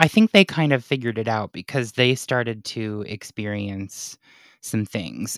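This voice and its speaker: With an American accent, a man talks at a moderate pace and ordinary pitch variation. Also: medium pitch for a man. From West Virginia, Parkersburg. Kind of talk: casual chat, storytelling. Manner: animated.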